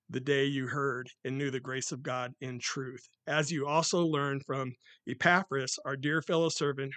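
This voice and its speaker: A man preaching to a small congregation on a microphone, loud and excited, reading scripture with rising force. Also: mid-range voice, dry recording. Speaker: lay preacher. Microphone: handheld or stand mic.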